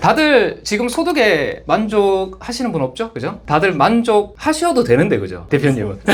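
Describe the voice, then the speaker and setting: A man with a high pitch talks at a moderate pace with hardly any pauses, his pitch swinging very widely, while audible room echo surrounds him. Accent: Daegu. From South Korea, Daegu. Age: 40s. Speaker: online business instructor. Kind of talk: lecture to small audience. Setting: offline class with audience. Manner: casual, conversational.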